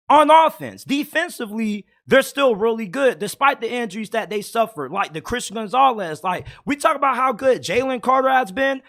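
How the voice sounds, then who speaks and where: Hoarse high-voiced man ranting about sports. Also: pushed and bright. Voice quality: raspy. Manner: blunt, opinionated, gets heated. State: hoarse from yelling. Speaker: sports commentator host. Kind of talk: casual sports talk.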